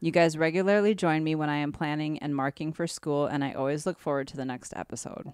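A woman with a Wisconsin accent and a very deep, low pitch races along at a very fast pace with hardly any pauses and ordinary pitch variation, on a very clean recording with a silent background. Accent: Upper Midwest American (Wisconsin). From Wisconsin, US Midwest. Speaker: podcast co-host. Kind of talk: casual chat.

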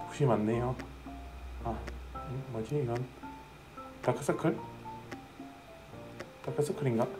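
Music plays in the background as a man speaks at a fairly slow pace with long, frequent pauses. His pitch is medium, with ordinary pitch variation. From Gyeongsang Province, South Korea. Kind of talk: playful comic voice-over dubbing of makeup video. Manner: joking, casual, bemused.

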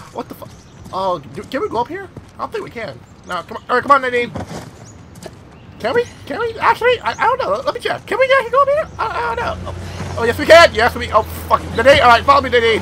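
Over noticeable background noise, the speech comes at a very fast pace broken by long, frequent pauses. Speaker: gameplay video commentator. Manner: excitable, profane, fast.

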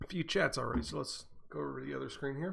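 A man speaks at a fairly quick pace with vocal fry. The background is quiet. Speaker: livestream host. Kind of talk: casual livestream chat, reading viewer comments. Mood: relaxed morning coffee talk. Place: home room. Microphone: webcam.

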